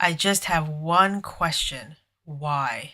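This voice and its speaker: A put-on character voice at a middle pitch, captured in a very clean recording with a silent background. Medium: read story.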